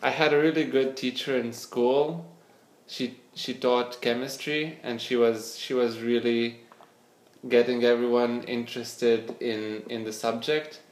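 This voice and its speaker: A young Lithuanian man, a scientist and startup founder, answers interview questions hesitantly, often repeating words while searching for them. His mid-range voice is steady in tone and unhurried, recorded in an echoey room.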